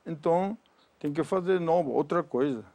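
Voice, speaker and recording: An older man from Japan speaking Portuguese with a Japanese accent, talking haltingly with many fillers in a documentary interview. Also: fairly high pitch, mellow, no room sound. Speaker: retired judo champion.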